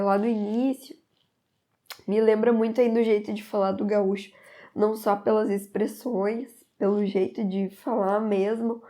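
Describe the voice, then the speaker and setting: With a warm voice of medium pitch, this southern Brazilian woman gives a laid-back book recommendation to camera as a reviewer. A mild cold makes her sound a bit stuffy while she rambles eagerly.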